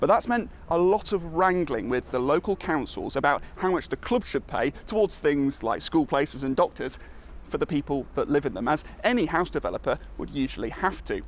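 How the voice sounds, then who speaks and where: Vocal fry runs through this man's fairly high voice. His intonation is lively and his pace moderate. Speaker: news reporter. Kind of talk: broadcast news report voiceover.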